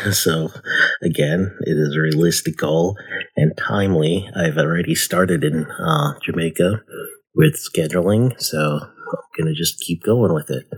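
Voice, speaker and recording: A man's voice: low voice, husky, rough recording. A man in his forties hosting his own podcast, talking casually and rambling a bit with plenty of fillers. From United States. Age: 40s. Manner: rambling, friendly, many fillers. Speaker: podcast host. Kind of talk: casual solo podcast talk.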